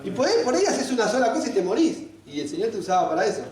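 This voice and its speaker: A male pastor with a Rioplatense Spanish accent delivers a lively, joke-filled sermon, slipping into little voices for his characters. His voice sits high and swings widely in pitch. He is heard from some distance across a large, strongly echoing hall. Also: very fast, crowd noise. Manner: animated, jokey storytelling, acts out voices. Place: large hall at a men's conference. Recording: echoey hall, voice from far off.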